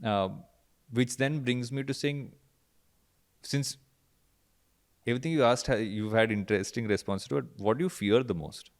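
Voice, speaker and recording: A man's voice: medium pitch, moderate pace, long pauses. A man hosting a conversational interview, reflective and thoughtful, rephrasing his points as he goes. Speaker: podcast host.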